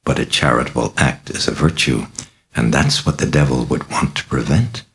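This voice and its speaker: A man voicing a calm, skeptical priest who questions patiently and reasons things out, in an audiobook reading. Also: a bass voice, normal speed, creaky, full character voice. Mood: reasoning. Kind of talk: audiobook character voice.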